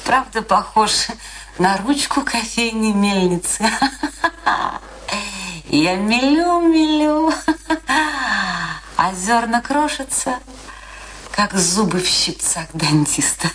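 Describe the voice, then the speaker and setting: An actress playing a bitter, gloating, domineering wife with theatrical, biting delivery in a radio play. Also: female voice, fairly high pitch, animated, slow, long pauses, a bit bright, a little hiss or hum. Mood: gloating triumph.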